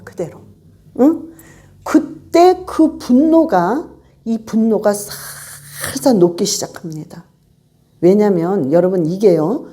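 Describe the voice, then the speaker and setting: A woman pastor from Korea delivers a sermon in a high voice. Her pitch leaps and dips all the time as she presses each point home. She repeats her urgings again and again to her listeners. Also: dark tone. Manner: emphatic, repetitive exhortation addressing the congregation.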